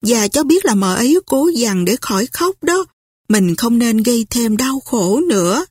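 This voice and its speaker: A woman voicing a gentle, patient young sister-in-law in a storybook reading, with a soft, soothing manner. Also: a little high, animated, normal speed, slightly rough, no room sound, clean studio sound.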